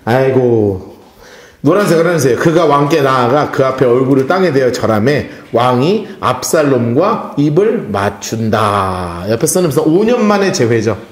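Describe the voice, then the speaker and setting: A male pastor leading a Bible study in a church, lively and playful, dramatizing the text and laughing often. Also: mid-range voice, normal speed, echoey room. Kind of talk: animated Bible study lesson.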